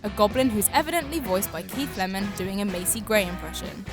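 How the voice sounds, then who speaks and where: A woman's voice: mid-range voice, lively intonation, a little fast. A British woman delivering comic scripted commentary in a sardonic, incredulous manner. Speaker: video narrator. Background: music.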